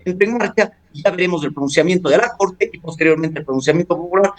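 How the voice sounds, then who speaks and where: Male law professor, radio guest, formal and measured, fairly high voice, hesitant fillers. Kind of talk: radio interview, analytical commentary. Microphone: studio or phone radio interview.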